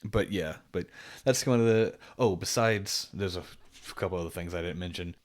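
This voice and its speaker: A man co-hosting a casual gaming podcast, rambling and animated, often restarting his sentences. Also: low voice, moderate pace. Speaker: podcast co-host.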